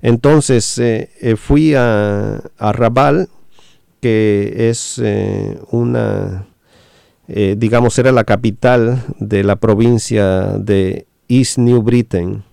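A man hosting a radio talk, interpreting, halting and full of fillers. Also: fairly low pitch, steady tone, gravelly, warm tone, smooth, no room sound, clean studio sound. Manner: many fillers and restarts, slow and halting.

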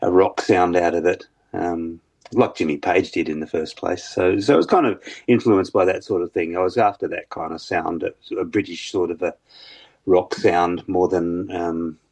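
A man with a very low bass voice, talking hesitantly as a musician guest in an interview, with many fillers and restarts. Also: fairly even intonation, moderate pace, a little mellow. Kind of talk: casual interview chat.

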